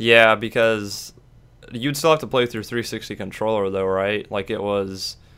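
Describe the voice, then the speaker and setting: A man's fairly low-pitched voice with fairly even intonation, an American accent and a bright, sharp tone. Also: fairly slow pace. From Kansas. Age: 18. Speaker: gaming youtuber and podcast host. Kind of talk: casual chat. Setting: online call.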